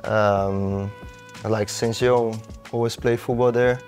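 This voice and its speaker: A man's voice: fairly low pitch, steady tone, slow, darkish tone, faint music behind. A young man from the Netherlands with a Dutch accent, a guest in a casual interview, speaking in a laid-back, hesitant way. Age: young adult. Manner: laid-back, hesitant with many ums and uhs. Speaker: guest footballer.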